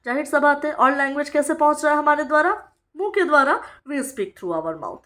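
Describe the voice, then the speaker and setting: A woman from Bihar, India, training teachers in a lecture. She reads English lines slowly, explains them, and keeps checking in with "okay?". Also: sits high, animated, fairly bright tone. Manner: frequent "ठीक है" check-ins with the listener.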